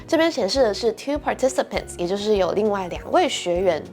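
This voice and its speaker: Fast, upbeat Taiwanese woman voice-over. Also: medium pitch, lively intonation, darkish tone, soft background music. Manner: friendly, upbeat explaining. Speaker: English-learning YouTuber. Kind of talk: sponsored voice-over pitch.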